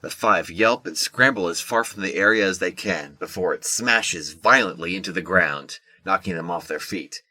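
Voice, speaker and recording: A man narrating a scripted audio drama in a measured, descriptive storytelling manner. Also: low voice, sharp tone.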